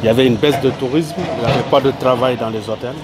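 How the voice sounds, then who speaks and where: A man's voice: mid-range voice, fast talker, heavy background noise. A man from Senegal with a Senegalese French accent, speaking earnestly in a street interview and pleading his case. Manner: earnest, pleading, repeats points. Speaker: tourism worker interviewed.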